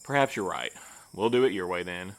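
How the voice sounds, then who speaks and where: A man's voice: deep voice, animated, fairly quick. A man playing a stubborn, by-the-book postmaster in an audio drama, speaking in a formal, politely dry way. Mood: patient, dry. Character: prim, stubborn male postmaster, a by-the-book boss. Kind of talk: naturalistic audio drama acting.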